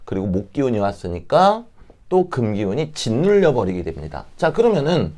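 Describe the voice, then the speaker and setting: A man with a mid-pitched voice that moves up and down in lively intonation. His throat is a little hoarse and catches as he talks. He explains things politely and step by step, like an advisor addressing viewers informally. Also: moderate pace. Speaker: fortune-telling advisor, channel host. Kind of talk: informal explanatory talk to camera.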